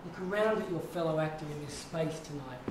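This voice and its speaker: A man coaches his acting class, encouraging and drawn-out. His voice sits a little high. He is heard from across an echoey, noisy studio. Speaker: acting teacher. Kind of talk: guiding a class warm-up. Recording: echoey room, distant mic, noisy.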